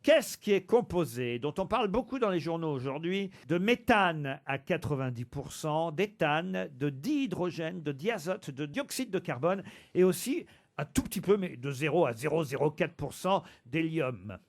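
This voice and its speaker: A man's voice: fairly high pitch, animated, normal speed. A man hosting a radio quiz show, teasing his panel with playful banter.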